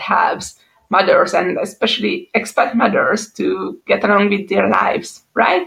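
At a moderate pace, a woman speaks with a Hungarian accent in a fairly high pitch, her voice showing vocal fry. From Hungary. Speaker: podcast host. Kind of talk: interview.

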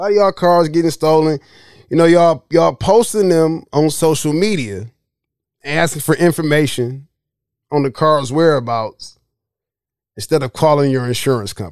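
A man's fairly high voice at a moderate pace, with ordinary pitch variation and long, frequent pauses. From Detroit. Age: 30s. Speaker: podcast host. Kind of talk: casual monologue.

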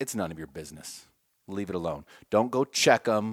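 A man's medium-pitched voice at a fairly quick pace, dry and close with no echo, on a very clean recording with a silent background. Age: 40s. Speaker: podcast host. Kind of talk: casual monologue. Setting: at home. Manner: informal, off the cuff.

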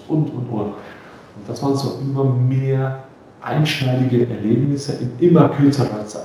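The recording has noticeable background noise and audible echo from the room. Within it, a man speaks at a moderate speed. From Bosnia. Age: 30s. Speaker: health coach. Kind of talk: interview. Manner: animated.

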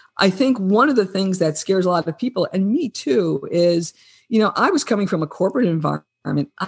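A woman's fairly quick, somewhat breathy, medium-pitched voice with lively intonation, dry and close with no echo. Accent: New Jersey. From New Jersey. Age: 50s. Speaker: health and wellness coach, former corporate executive. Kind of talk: interview answers, conversational.

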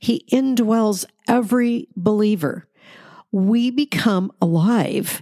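A woman's somewhat breathy, fairly high-pitched voice with lively intonation, in dry, close sound with no echo. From raised Adventist. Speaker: podcast co-host. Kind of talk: casual Bible study discussion.

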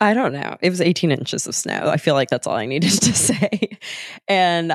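A woman with a Southern US accent at a moderate pace, the sound dry and close with no echo, in a very clean recording with a silent background. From US South. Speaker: podcast co-host. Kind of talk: casual chat.

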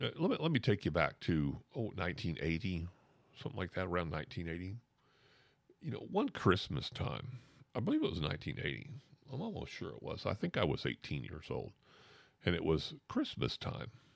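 A man with a Southern US accent, a very deep, low pitch and vocal fry, at a fairly quick pace broken by long, frequent pauses, with very wide pitch swings. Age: 50s. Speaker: podcast host. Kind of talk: comedic storytelling monologue.

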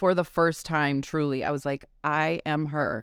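A fairly slow, fairly even delivery with an American accent, in a dry, close sound with no echo and a very clean recording against a silent background. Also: woman. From US Midwest, Minnesota. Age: 40s. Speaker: writer, musician and online community founder. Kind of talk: casual interview conversation.

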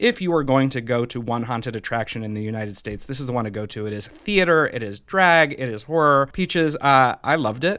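A man speaks at a very fast pace with lively intonation and a bright, sharp tone. The recording is very clean, with a silent background. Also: medium pitch for a man, hardly any pauses. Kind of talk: casual interview chat.

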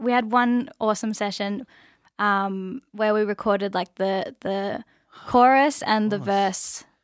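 Speaking at a fairly slow pace with an Australian accent, a woman with a fairly high pitch and ordinary pitch variation is heard on a very clean recording against a silent background. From Australia, Victoria (Gembrook area), Chilean heritage. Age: 20s. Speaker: neo soul singer. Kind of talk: casual interview. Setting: studio.

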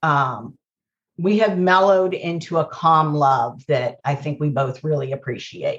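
Slow-paced and somewhat breathy, a woman speaks at a very deep, low pitch with lively intonation. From US, Pennsylvania. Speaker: recovery speaker. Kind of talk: testimony. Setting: consecutive interpretation.

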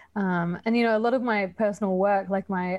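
A woman talks at a fairly quick pace in an Australian accent, her pitch medium with ordinary variation. The background is quiet. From Tasmania, Australia. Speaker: artist and art school director. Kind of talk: casual interview.

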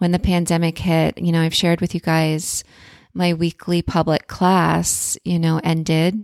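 In an American accent, a woman speaks with fairly low pitch, a calm, soothing tone, monotone, flat intonation and very even loudness, the sound dry and close with no echo on a very clean recording with a silent background. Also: fairly slow pace. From South Florida. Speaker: yoga and meditation teacher, podcast host. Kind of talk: guided meditation. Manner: calm, slow, soothing; warm, gentle, pausing.

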